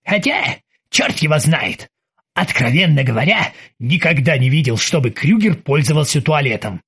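Guy doing a sarcastic husky captain, dry jokes, lively up and down. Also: a little high, normal speed, full character voice. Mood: ironic. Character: dry, ironic male ship captain.

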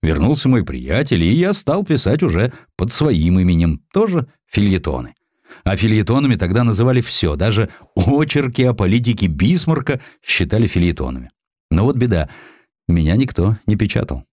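Male narrator as old literary man, deep, very expressive, wry, florid, self-mocking, audiobook reminiscence, dry close sound. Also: moderate pace, no room sound. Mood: rueful. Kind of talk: dramatized audiobook character quotes.

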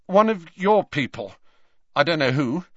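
A man voicing a cornered teenage boy wizard who talks loudly, with a strained, rising voice. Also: very animated, measured pace, no echo, muffled recording, heavily acted. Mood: desperate. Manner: loud, strained, voice rising in pitch.

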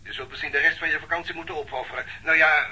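An actor playing an apologetic but pressing police superior, polite and urgent, heard over a telephone in a crime drama. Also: male voice, fairly high pitch, fairly even intonation, rapid-fire, sharp tone, slightly rough, heavily acted, poor audio.

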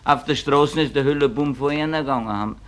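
A man's voice: on the high side, fast talker, slight background noise. A male comedian telling jokes in a heavy comic stutter. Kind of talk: stand-up joke telling.

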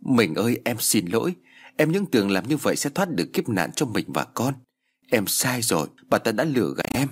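A man's voice: medium pitch, sing-song, moderate pace, husky. Man voicing an anguished young wife. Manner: pleading, anguished. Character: desperate young wife and mother.

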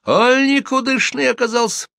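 A man voicing a young, sharp-tongued village woman who answers back defiantly. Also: extremely high pitch, fairly even intonation, normal speed, creaky, no echo, clean studio sound, pitched above the performer's own voice, exaggerated voice.

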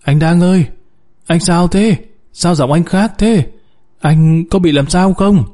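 A man's voice: sits high, slow, dark tone, voice pushed up. A man voicing an anxious pregnant young wife in a story, insistent and pleading. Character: anxious heavily pregnant young wife, desperate for her husband.

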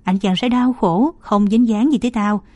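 A woman's voice: fairly high pitch, moderate pace, darkish tone, no echo, natural voice. A woman reading the part of a shy young female medical student who brushes off teasing. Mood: defensive.

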